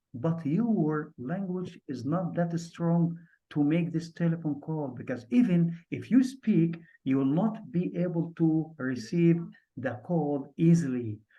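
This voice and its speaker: The voice has a dark, mellow tone and an Egyptian accent. It moves at a fairly slow pace. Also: man. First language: Arabic. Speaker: English teacher. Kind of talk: lecture.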